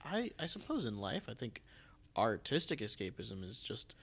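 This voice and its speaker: A man hosting a casual interview, speaking haltingly and often rephrasing his questions. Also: medium pitch, very animated, gravelly, fairly bright tone. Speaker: podcast host, theatre producer.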